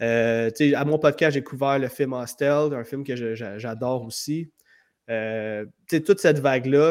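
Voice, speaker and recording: Speaking at a very slow pace, a man with fairly high pitch and ordinary pitch variation is recorded very cleanly, the background silent. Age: 30s. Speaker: horror podcaster. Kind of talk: casual chat.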